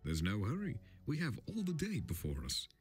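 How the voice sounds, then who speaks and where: A man voicing a polite, fussy, excitable hobbit gentleman in a storybook reading, prim and chatty with eager exclamations. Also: mid-range voice, normal speed, voice pushed up. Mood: cheerful. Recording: film score music underneath.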